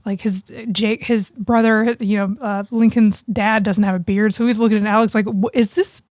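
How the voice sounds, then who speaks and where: A woman's voice: medium pitch, fairly even intonation, normal speed, darkish tone, no room sound, studio quality. A woman co-hosting a podcast in casual, informal conversation, with plenty of slang and some mild swearing. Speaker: podcast co-host.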